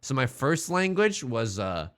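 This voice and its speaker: Animated, wisecracking streamer guy, worn out. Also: mid-range voice. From born in China, raised in the United States. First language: Mandarin Chinese. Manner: quick, joking and profane, talking to chat. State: exhausted. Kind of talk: casual livestream commentary while playing a game. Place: home streaming setup.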